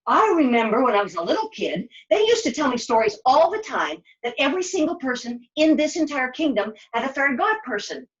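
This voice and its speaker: Woman as young servant girl, whiny, excitable, melodramatic, high voice, very animated, puppet show, lo-fi sound. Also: fairly quick. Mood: wistful. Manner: melodramatic, repetitive, flustered.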